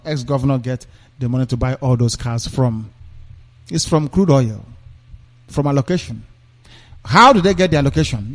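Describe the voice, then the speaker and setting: A man's voice: mid-range voice, in a large hall. A man with a Nigerian accent on a radio broadcast. He reads news items aloud and breaks off into scornful, mocking commentary full of rhetorical questions.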